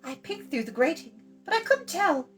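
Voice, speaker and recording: A woman's voice: very high-pitched, very animated, moderate pace, soft background music, voice pushed up. A woman voicing a chatty, blunt young girl in a fantasy storybook, in a light, musical voice with a breezy manner. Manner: breezy, talkative, matter-of-fact. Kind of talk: children's fantasy storybook reading.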